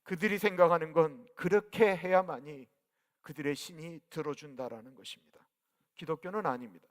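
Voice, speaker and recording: Male pastor, forties, sermon, high voice, loud then hushed, echoing church sanctuary. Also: brisk. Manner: swings between loud emphatic lines and hushed near-whispers.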